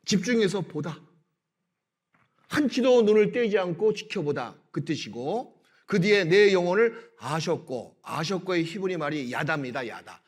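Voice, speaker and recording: Man, pastor, high voice, middle-aged, sermon in church, slow emphatic delivery. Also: expressive. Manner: explains scripture, then voices God's words in gentle quoted lines; slow, emphatic delivery with swings between loud and soft. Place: church sanctuary.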